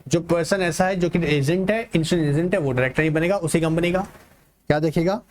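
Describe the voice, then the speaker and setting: A male teacher with an Indian accent and a fairly high voice gives an online exam-prep lecture. He drawls through English lines word by word, then switches to quick, chatty Hindi explanations, speaking straight to his students and repeating each point. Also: a little hiss or hum. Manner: mixes Hindi and English, reads slowly and explains fast.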